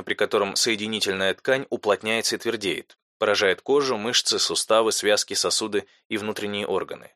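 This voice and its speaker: Man voicing a resilient woman in her thirties, calm and matter-of-fact, dry close sound. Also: on the low side, no echo, natural voice.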